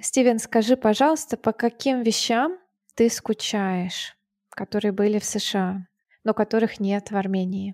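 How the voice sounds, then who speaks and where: With a dry, close sound and no echo, a woman uses a plain, everyday voice at fairly high pitch, speaking at a fairly slow pace with ordinary pitch variation. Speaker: podcast host. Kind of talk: casual interview.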